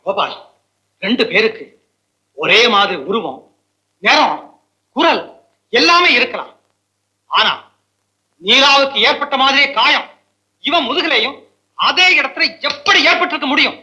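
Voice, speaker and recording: A man's voice: very high voice, big pitch swings, a little slow, pauses often, sharp tone, heavily acted, rough recording. An actor playing a lawyer who is certain a supposedly dead woman is alive. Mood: determined. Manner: earnest, probing. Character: suspicious lawyer determined to uncover a mystery.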